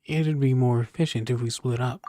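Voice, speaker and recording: A man's voice: medium pitch, steady tone, normal speed, warm tone, no echo, studio quality. A man giving casual, playful and irreverent commentary as he plays a video game. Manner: irreverent, crude humour, playful. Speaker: gamer, streamer. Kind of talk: casual joking game commentary, reading some dialogue aloud. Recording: game music behind the voice. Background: video game music.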